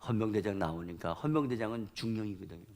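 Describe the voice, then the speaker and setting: A middle-aged male pastor preaching a sermon, telling stories in an animated way that swings between loud outbursts and quiet asides. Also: lowish voice, fast.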